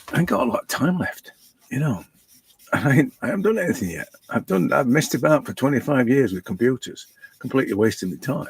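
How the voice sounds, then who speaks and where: Very fast and fairly high, a man's voice carries vocal fry in a dry, close sound with no echo. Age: 60s. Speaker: portrait artist and teacher. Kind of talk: casual talk while drawing. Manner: halting, many fillers.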